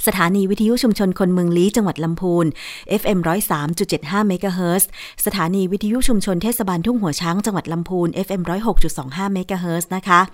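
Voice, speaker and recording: A middle-aged woman from northern Thailand hosting a public radio podcast, chatting politely and warmly straight to her listeners. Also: lowish voice, dry recording, clean studio sound. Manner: polite and chatty, soft sentence endings, addresses listeners directly.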